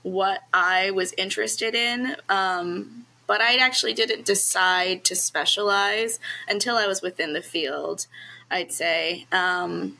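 A young woman whose first language is Cantonese, a speech language pathologist, answering interview questions over a video call with a headset, relaxed and full of ums. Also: mid-range voice, takes it slowly, vocal fry, low-quality recording. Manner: relaxed, frequent ums, laughs easily. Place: home room, indoors.

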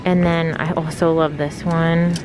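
Slow-talking woman vlogger in a store. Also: low-pitched, level tone, background noise. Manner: unhurried, describing clothes item by item. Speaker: fashion vlogger. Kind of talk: shop-with-me narration. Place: large retail store, indoors. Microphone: handheld phone filming the racks.

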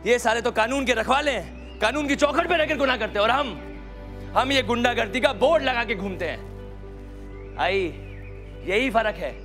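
A taunting, vengeful young gangster. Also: male voice, extremely high pitch. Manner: taunting, contemptuous, abusive. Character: vengeful young male gangster, menacing, bitter. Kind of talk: stage-style TV drama acting. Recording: drama with loud background music.

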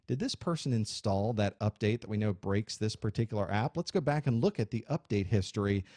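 A man teaching a computer course, explaining software settings in a clear, steady way while recording a screen tutorial. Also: fairly low pitch, brisk, dry recording. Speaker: IT instructor.

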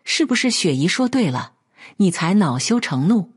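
Woman doing a tired soft-spoken young husband, low husky voice. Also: very animated, normal speed. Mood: pleading. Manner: pleading, soft. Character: torn young husband, gentle and weary.

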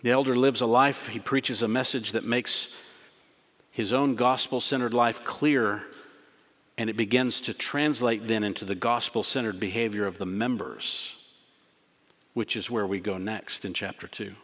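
A man's voice: lowish voice, fairly even intonation, normal speed, a bit bright. A middle-aged man preaching earnestly from a church pulpit, closing with a prayer. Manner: earnest, emphatic preaching with repeated phrases. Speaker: pastor. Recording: long church hall reverb.

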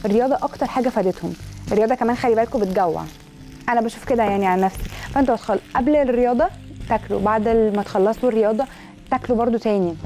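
Egyptian woman food blogger rattling off cooking tips super fast, kinda high mellow voice, faint music and sizzling pan behind. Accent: Egyptian Arabic. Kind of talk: chatty cooking advice.

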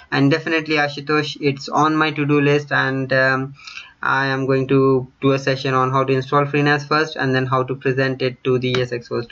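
A man's voice: medium pitch, fairly bright tone, highs cut off. A man in his thirties with a mixed Indian and British accent, chatting casually to his channel while reading viewer comments, with lots of ums and restarts. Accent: Indian with British mix. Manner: chatty, many ums and self-corrections. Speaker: tech YouTuber. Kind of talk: casual screen-share vlog reading comments. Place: small room at home, indoors.

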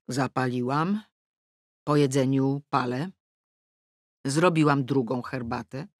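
A middle-aged woman narrates a first-person novel as an audiobook, slow and deliberate, with a wry, ironic edge. Her voice is close and dry, recorded in a studio with no room sound. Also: low voice, no room sound. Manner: lively, ironic storytelling, rising to exasperation. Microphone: close studio mic.

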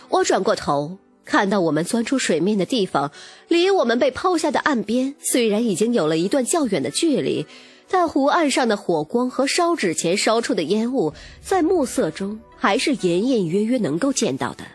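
High-voiced, expressive woman narrating an audiobook. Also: moderate pace, husky. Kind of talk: dramatic first-person scripted narration of a romance novel. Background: music.

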